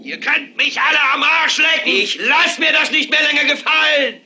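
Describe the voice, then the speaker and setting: A fed-up TV news anchor, breaking into a passionate rant that climbs toward shouting. The voice sits high for a man and cuts through very brightly, with a husky edge. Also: expressive, a little fast, heavily acted. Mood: shouting, fervent. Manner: impassioned, building to a shouted rant. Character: fed-up male TV news anchor ranting on air. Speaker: dubbing actor. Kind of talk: dubbed film acting.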